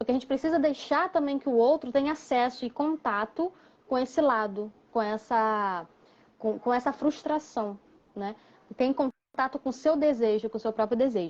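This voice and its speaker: Ordinary pitch variation at a moderate pace over a quiet background. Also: woman, high pitch for a woman. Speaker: psychoanalyst and teacher. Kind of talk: online lecture. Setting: live stream.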